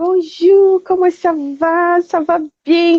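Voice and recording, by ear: In a put-on character voice, a woman talks very slowly at an extremely high pitch with monotone, flat intonation.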